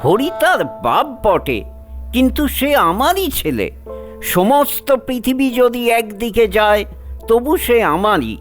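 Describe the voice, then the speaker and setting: A man playing a patient, devoted old head of a household in a story, speaking in a measured, gentle but firm way. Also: very high-pitched, big pitch swings, exaggerated voice. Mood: firm, heartfelt. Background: music.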